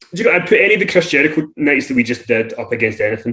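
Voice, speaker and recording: The speech comes at a very fast pace. It carries a strong Scottish accent. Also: man. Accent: thick Scottish. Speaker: wrestling interviewer and podcaster. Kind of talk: interview conversation.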